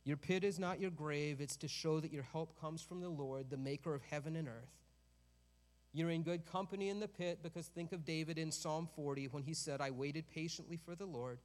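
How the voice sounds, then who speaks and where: A fairly high-voiced man preaching to a congregation, his words trailing off into a long hall reverb. He slips between relaxed, joking asides and loud, emphatic peaks. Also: moderate pace. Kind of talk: sermon.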